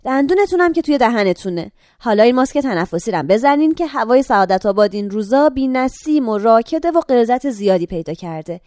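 A brisk, matter-of-fact care-home attendant voiced by an actress talks through an old woman's routine. Her voice is fairly high and lively, recorded close and dry. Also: dry recording, lightly acted. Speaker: caregiver.

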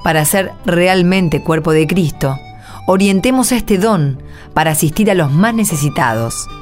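Female radio presenter, Argentine, lowish voice, measured scripted reading for religious programme, light music bed. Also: a little mellow.

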